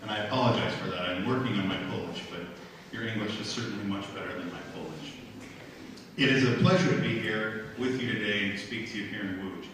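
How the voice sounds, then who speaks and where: A middle-aged American man giving a formal public speech as a diplomat, with measured, deliberate phrasing. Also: lowish voice, fairly bright tone. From United States. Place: large lecture room, recorded from the audience. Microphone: handheld mic through room speakers, distant camera pickup. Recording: very echoey hall, distant mic, faint noise.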